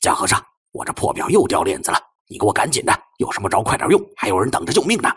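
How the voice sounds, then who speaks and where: A man's voice: fairly low pitch, huge pitch swings, racing, a bit bright, slightly rough, exaggerated voice. A man voicing a brash, impatient male investigator in an audiobook, curt and bossy.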